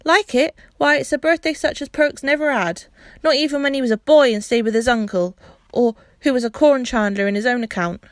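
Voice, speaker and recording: A woman's voice: a little high, lively intonation, a little fast, dry recording, clean studio sound, lightly acted. A woman voicing a homely, emotional working-class wife who talks in rustic dialect. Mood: overjoyed. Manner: rustic dialect speech, effusive.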